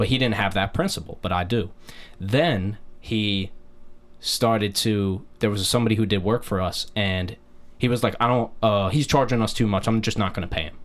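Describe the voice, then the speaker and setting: Pitch varies in an ordinary way at a moderate speed. It's a plain, everyday voice with an American accent. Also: man, fairly low pitch for a man. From New Jersey. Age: 20s. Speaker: podcast host and rapper. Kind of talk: casual interview chat.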